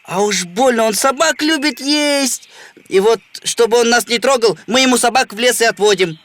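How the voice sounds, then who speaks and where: A high, nervous villager. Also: male voice, moderate pace, a bit bright. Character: timid village man, guilty and nervous. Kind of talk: cartoon voice acting. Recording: music underneath.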